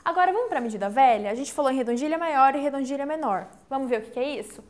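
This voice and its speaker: A woman's voice: sits high, expressive, a little mellow. A woman teacher, giving an online literature lesson, explaining step by step and often checking in with the class. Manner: explains step by step, counts syllables slowly aloud; checks in with frequent "tá?".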